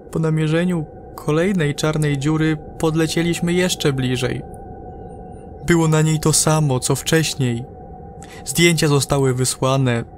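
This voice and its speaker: A man playing a frightened, desperate space crew member in an audio horror drama, agitated and halting, swearing as he pleads. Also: fairly high pitch, slight background noise, voice pushed up. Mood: fearful.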